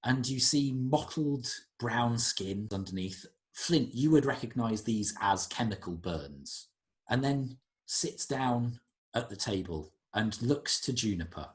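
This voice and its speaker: A man running a tabletop game as game master, his narration lively and animated with wide swings in pitch. He describes scenes at length in a relaxed, storytelling way. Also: takes it slowly.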